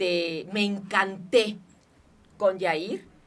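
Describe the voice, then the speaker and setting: This is a woman speaking at a medium pitch. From Mexico, Nogales, Sonora. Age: 60s. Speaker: radio host. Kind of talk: casual chat. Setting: studio. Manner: animated.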